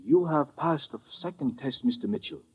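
Husky, solemn old mystic priest. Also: male voice, on the high side, animated. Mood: cryptic, instructing. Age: older. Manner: solemn, formal, measured pronouncements. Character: serene, cryptic old Burmese mystic priest. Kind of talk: 1950s radio drama acting. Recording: muffled old radio recording.

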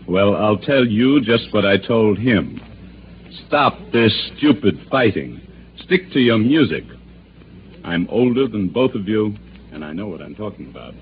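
An actor playing a stern older college professor who lectures and scolds two young men, in 1940s radio drama style. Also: male voice, lowish voice, animated, measured pace, a little hiss or hum. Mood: scolding. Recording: muffled old radio broadcast.

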